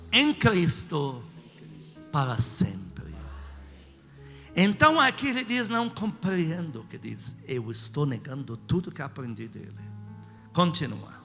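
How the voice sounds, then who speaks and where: Forceful Brazilian preacher man, echoing hall. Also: mid-range voice. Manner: emphatic, exhortatory, rhetorical questions. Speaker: pastor preaching to a congregation. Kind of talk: sermon with call and response. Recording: long hall reverb, music behind.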